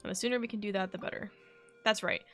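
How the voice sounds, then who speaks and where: A woman's voice: medium pitch, steady tone, fast, sharp tone. A woman live streamer giving casual commentary on a game and reading its dialogue aloud. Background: game music.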